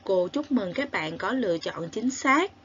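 A woman with a southern Vietnamese accent teaching a recorded lesson to young children, spelling sounds aloud clearly and praising the class. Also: mid-range voice, expressive, measured pace, fairly bright tone, highs cut off, slight background noise. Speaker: primary school teacher.

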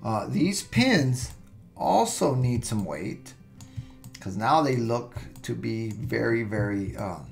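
Speaking slowly in a gravelly, mid-range voice, a man works through a software tutorial one step after another. He's at his computer with soft music beneath him, relaxed, thinking aloud with fillers and restarts.

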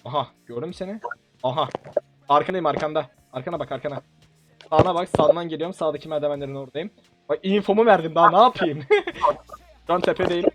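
A young gaming YouTuber narrates a shooter match with excitement, his fairly high voice moving quickly but pausing often while music plays behind. He's playful and teasing, letting out laughing shouts in bursts.

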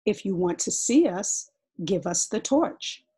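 A woman voicing a patient, unhurried craftsman who speaks calmly. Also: mid-range voice, breathy edge. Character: calm, endlessly patient older craftsman.

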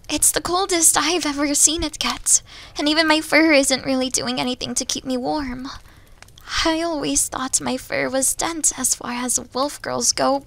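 A woman's voice: sits high, creaky, fairly bright tone, heavily acted. A woman voicing a shy, starving young wolf girl in an ASMR roleplay, hesitant, apologetic and stammering, often slipping toward a whisper. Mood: timid, pleading. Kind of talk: ASMR roleplay audio drama.

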